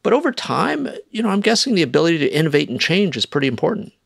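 A man's voice: on the high side, sing-song, quick pace, creaky, husky, no room sound, studio quality. A man co-hosting a podcast, talking casually with lots of "you know". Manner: conversational, many "you know"s. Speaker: podcast co-host. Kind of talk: casual chat.

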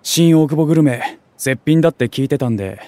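A man's voice: fairly high pitch, fairly quick, warm tone, no room sound, lightly acted. A man playing an eager, geeky young junior in a voice drama, talking in gamer slang with casual politeness. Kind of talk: Japanese voice drama acting.

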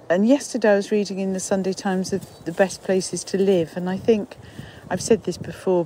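A woman's voice: fairly low pitch, warm tone. Rambling woman recording outdoors in rain. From Portsmouth, England. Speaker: nature walk presenter. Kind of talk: rambling walk narration. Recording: faint rain and outdoor noise.

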